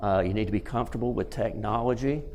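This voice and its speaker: A man speaks with a Southern US accent and fairly even intonation. Audible room echo can be heard. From Alabama. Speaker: pharmacist with Parkinson's. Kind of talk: lecture. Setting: presentation to audience.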